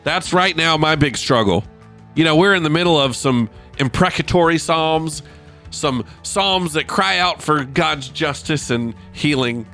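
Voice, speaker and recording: A man's voice: fairly high pitch, unhurried, sharp tone, faint music behind. A man speaking casually as a devotional podcast host, informal and self-deprecating, with blocked sinuses that make him sound nasal, as if pinching his nose. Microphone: close podcast microphone.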